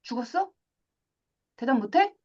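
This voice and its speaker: A woman teaching a math class, lively, asking questions and acting out little scenes. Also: sits high, measured pace, muffled recording. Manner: animated, asks questions and acts out little scenes. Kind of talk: classroom lecture.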